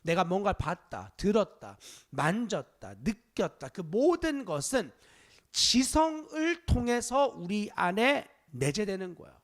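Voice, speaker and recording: A male pastor preaching a Wednesday service sermon to his congregation, stressing points loudly, dropping to hushed asides, and asking rhetorical questions. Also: sits high, huge pitch swings, a little slow. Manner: emphatic preaching, swinging between loud stress and hushed asides. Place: church sanctuary.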